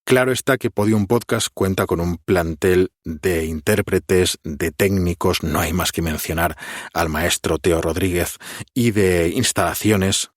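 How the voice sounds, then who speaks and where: A man who is a guest on a podcast, answering interview questions in a calm, deliberate and reflective way. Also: sits low, dry recording, studio quality. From Spain.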